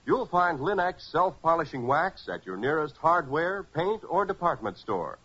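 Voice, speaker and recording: A male American announcer in the dramatic style of 1940s radio. His voice is bright and forceful, pitched fairly high, with big swoops of emphasis. The old recording sounds muffled. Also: big pitch swings, measured pace, breathy edge. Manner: dramatic, emphatic, polished salesmanship.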